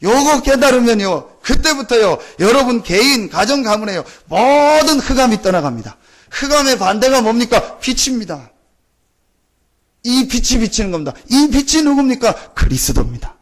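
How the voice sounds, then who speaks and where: High-pitched, intense male preacher. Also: very animated, normal speed. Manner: intense, emphatic, earnest; repetitive rhetorical questions to listeners.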